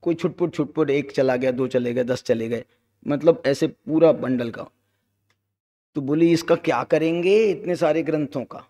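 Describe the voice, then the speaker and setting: A man's voice: fairly high pitch, dark tone. Man teaching scripture in a reverberant hall. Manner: chants verses slowly, jokes with listeners. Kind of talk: Jain scripture discourse. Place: ashram hall.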